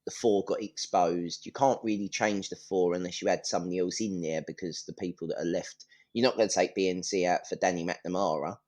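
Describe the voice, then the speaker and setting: A man's voice: deep voice, fairly even intonation, a little fast, darkish tone. Blunt, sweary man chatting football. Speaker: football fan guest on a podcast. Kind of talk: casual football chat.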